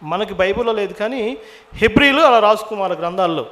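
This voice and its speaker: A man's voice: high-pitched, expressive, quick pace, a bit bright. A man preaching a Bible-teaching sermon. He keeps asking the audience questions and mixes English words into his speech.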